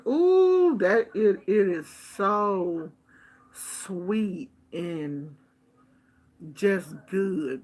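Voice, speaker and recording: A middle-aged woman from the United States telling a casual story in a chatty, expressive way, acting out the people she quotes. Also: mid-range voice. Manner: chatty, expressive, animated quoting of others. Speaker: vlogger. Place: Bay Area.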